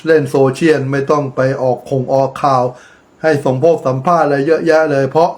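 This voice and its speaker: A man's voice: fairly high pitch, flat delivery, fairly quick, darkish tone. A middle-aged man giving casual, profane political commentary on his own channel, blunt and lecturing. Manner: blunt, crude, swears freely; preachy, lecturing advice.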